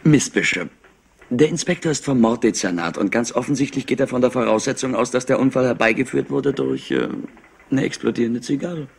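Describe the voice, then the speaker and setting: Smug nephew, very lively intonation, husky, theatrical, talkative, overexcited, crime radio drama. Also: male voice, mid-range voice, brisk, heavily acted. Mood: smug, pressing. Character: highly intelligent, overexcited, smug nephew of an industrialist. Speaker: actor dubbing a suspect. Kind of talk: German crime drama dub, animated acting.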